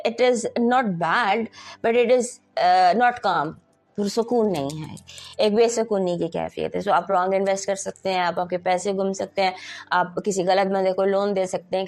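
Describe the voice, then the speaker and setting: A woman astrologer with a Pakistani Urdu accent, giving a weekly horoscope in a relaxed conversational way, slipping into English phrases and pausing to hesitate. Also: mid-range voice.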